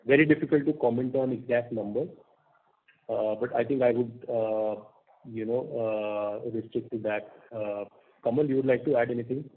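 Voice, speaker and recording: A man with an Indian accent answers questions on an earnings call as a company executive, measured, formal and cautious, over a phone line. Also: medium pitch, steady tone. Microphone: conference call phone. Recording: husky-sounding narrowband conference phone line.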